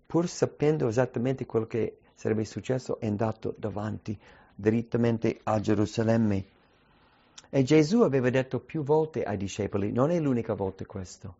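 A man's voice: mid-range voice, moderate pace, warm tone, husky. Emphatic male preacher, lo-fi sound. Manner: emphatic, asks many rhetorical questions. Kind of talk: sermon.

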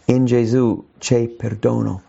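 A man preaching a sermon in an earnest, emphatic way, slowing down to stress key phrases. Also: mid-range voice, level tone, vocal fry, warm tone, breathy edge. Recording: dull lo-fi sound.

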